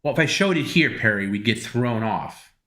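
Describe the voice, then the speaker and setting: A man's voice: mid-range voice, lively intonation, normal speed, sharp tone, a little hiss or hum, poor audio. A man co-hosting a live stream, answering the host in an easygoing, amused way. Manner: easygoing, mildly amused replies. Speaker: show co-host.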